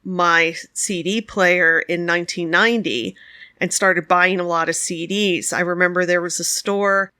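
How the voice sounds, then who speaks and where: A woman's voice: on the low side, fairly even intonation, measured pace, pushed and bright, clear, resonant tone, no room sound, studio quality. A woman co-hosting a podcast, chatting casually and telling stories with frequent laughter. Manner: chatty, laughs often, storytelling. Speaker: podcast co-host. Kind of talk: casual conversation.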